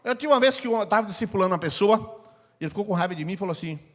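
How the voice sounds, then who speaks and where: Older man, Brazilian accent, high-pitched pastor, conversational sermon, reverberant church hall. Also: lively intonation, rapid-fire. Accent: Brazilian Portuguese. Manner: conversational preaching, repeating phrases for emphasis.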